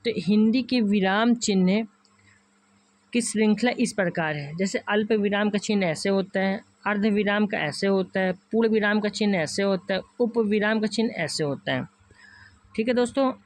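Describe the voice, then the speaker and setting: Hindi-speaking teacher walking through exam questions. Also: male voice, high voice, normal speed. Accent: Hindi, north Indian. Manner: addresses viewers as friends, walks through each option repeatedly. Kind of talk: online class lecture.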